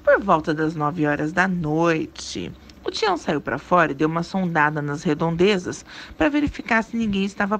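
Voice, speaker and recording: A woman hosting a storytelling channel, narrating a listener's story dramatically with asides. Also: on the low side.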